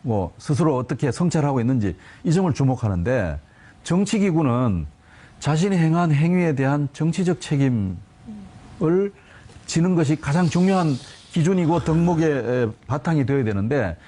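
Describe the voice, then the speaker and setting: A man commenting on politics as an academic panelist, measured and emphatic, pausing on drawn-out fillers. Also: on the high side, very animated, warm tone.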